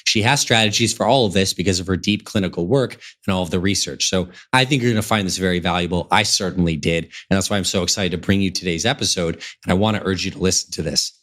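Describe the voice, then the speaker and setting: A man hosting a podcast with effusive, informal enthusiasm, his voice slightly raspy, tired and sniffly. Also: low-pitched, fast, hardly any pauses, a bit bright. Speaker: podcast host.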